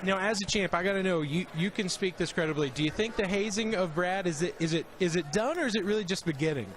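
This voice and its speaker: A man's voice: sits high, fast, crowd noise. A man working as a red carpet interviewer, chatty and jokey in casual banter.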